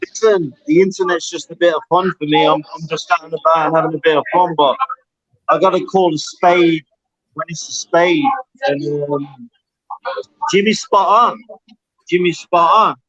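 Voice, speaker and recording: A man calls in to a boxing talk show and gives his opinions bluntly, often saying the same point twice. His voice sits a little high. The line is dry and muffled. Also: fairly even intonation, normal speed, a bit bright, dry recording. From Welsh by parentage. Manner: blunt, repeats himself for emphasis. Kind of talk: casual boxing opinion chat.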